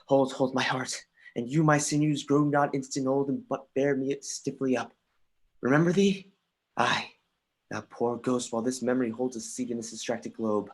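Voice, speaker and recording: An intense young prince played by a man speaks Shakespearean verse in a medium, husky register. He is wry and erratic, impassioned but halting in his delivery. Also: mid-range voice, natural voice. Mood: shaken, vowing. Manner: impassioned, halting reading with stumbles. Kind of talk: Shakespearean verse in a livestreamed dramatic reading. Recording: remote livestream audio.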